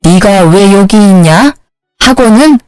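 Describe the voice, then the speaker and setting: A woman voicing a bossy, sharp-tongued older mother-in-law in a storybook narration. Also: mid-range voice, animated, a little slow, smooth, dry recording, close to an everyday voice, low-quality recording. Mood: scolding.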